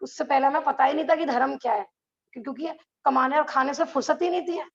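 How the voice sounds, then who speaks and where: A woman with a high, gravelly voice leads a religious class. She keeps turning to her listeners with rhetorical questions and laughs between her points. The recording sounds dull and lo-fi. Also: fairly quick. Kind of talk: lecture to a class.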